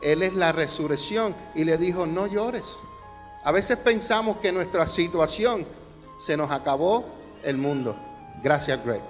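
A man delivers a sermon from the pulpit, his voice notably high for a man. He leans into emphatic phrases and poses questions to the congregation. The sound rings with a long reverb in a large hall, and soft music plays faintly behind him. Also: animated, measured pace. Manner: preaching with rising emphasis and rhetorical questions to the congregation. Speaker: pastor. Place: church hall.

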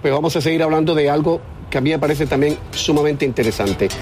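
A man's voice: fairly high pitch, fast talker, a little mellow, soft background music. A man hosting a casual studio interview, chatty and joking, with frequent restarts. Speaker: TV host.

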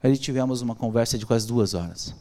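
A man with a Brazilian Portuguese accent telling a personal story as a podcast guest, acting out the dialogue in an animated way. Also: mid-range voice, quick pace. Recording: long hall reverb.

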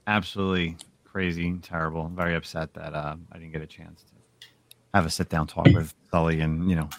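A man hosting a casual comic book podcast, his voice sitting a little low. He tells stories in an animated way. The sound is dry and close, with no room around it. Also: a little fast, dry recording. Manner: animated storytelling. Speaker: podcast host. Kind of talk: casual chat.

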